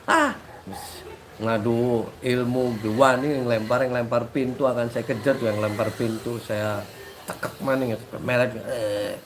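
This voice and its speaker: A man with a Cirebon accent and a blocked, nasal voice, hoarse from a cold, talking in a rambling, repetitive, joking way to his subscribers. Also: medium pitch, steady tone, a little slow, background noise. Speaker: religious teacher and channel host. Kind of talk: casual talk to subscribers with sung prayers.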